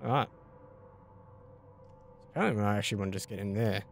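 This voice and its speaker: A man's voice: on the low side, fairly quick, creaky, slight background noise. A young Australian man giving casual let's play commentary, thinking aloud and swearing mildly as he plays. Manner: casual, muttering thoughts aloud with mild swearing. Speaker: gaming YouTuber.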